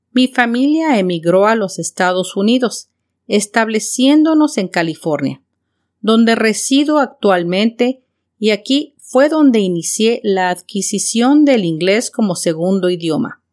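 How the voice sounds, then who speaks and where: A woman from Mexico City with a Mexican Spanish accent, hosting a podcast for learners and speaking slowly and clearly to the listener. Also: medium pitch. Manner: slow, clear, friendly delivery addressing the listener directly. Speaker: podcast host and bilingual teacher. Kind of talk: scripted podcast monologue for learners.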